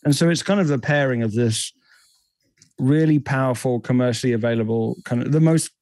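A man's voice: medium pitch, brisk, a little mellow, no room sound. A man in his thirties with a British accent, a guest explaining technology fluently in a podcast interview over a headset from a home office. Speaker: guest, tech company CEO.

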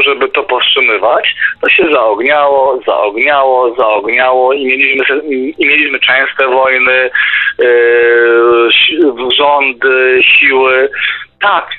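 A man debating casually in an insistent, argumentative way, often repeating himself. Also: mid-range voice. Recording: tinny narrow phone line. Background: music.

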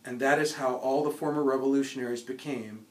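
A man's voice: medium pitch, fairly even intonation, brisk. An American man in his forties, a professor, reading a book aloud. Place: small indoor office with bookshelves. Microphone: camera a few feet away. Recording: roomy office sound from camera mic.

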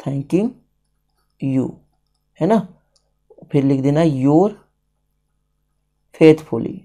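Slow, deliberate Indian male teacher. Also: fairly high pitch, mellow. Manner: repeats phrases, spells out words and switches languages to explain. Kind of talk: handwriting lesson explained step by step.

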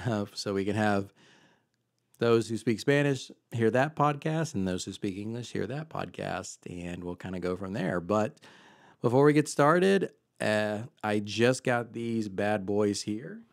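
A man's voice: fairly low pitch, a little slow, no echo, studio quality. A man in his thirties hosting a faith podcast from a home office, speaking into a handheld mic in a chatty, earnest way with many fillers. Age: 30s. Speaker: podcast host. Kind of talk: casual faith podcast monologue. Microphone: handheld mic close to mouth.

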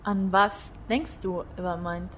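A woman playing a calm, thoughtful psychologist in a science fiction audio drama, speaking carefully and with gentle questioning. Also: on the low side, a little slow. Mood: probing.

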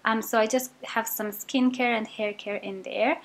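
A woman's voice: a little high, fairly even intonation, moderate pace, gravelly. A young woman with a British accent narrating her cleaning routine in a casual, upbeat voice-over, with frequent ums. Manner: chatty, upbeat, many ums. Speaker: cleaning vlogger.

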